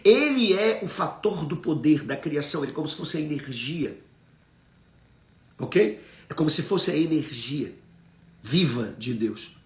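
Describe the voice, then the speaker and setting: Emphatic Brazilian preacher in a roomy space. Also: male voice, a little high, animated, measured pace, long pauses. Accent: Brazilian Portuguese. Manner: emphatic, asks the audience questions, reads out viewer comments. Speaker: preacher on a live stream. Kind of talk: live-streamed Bible teaching.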